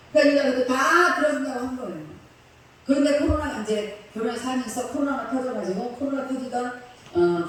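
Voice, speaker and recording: Telling a story mid-sermon, a woman pastor with a fairly high voice chats colloquially and laughs with her congregation. The audio has a little hiss or hum and comes from far away in the echoey church sanctuary.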